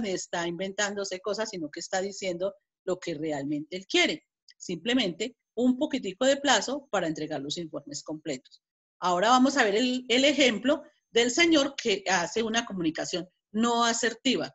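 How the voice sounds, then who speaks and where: A woman's voice: medium pitch, fairly bright tone, slightly rough. A woman with a Colombian Spanish accent teaching an online class, explaining step by step with frequent restarts and repeated words. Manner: reads example dialogues aloud with emphasis.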